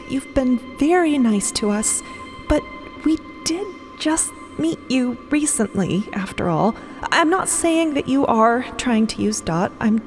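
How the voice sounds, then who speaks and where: A woman plays an anxious young woman in an audio drama, her voice high and swinging widely. She pleads in halting, emphatic bursts, over a clear music bed. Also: darkish tone, full character voice. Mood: apologetic, earnest. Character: anxious, conscientious young woman, a people-pleaser finding nerve.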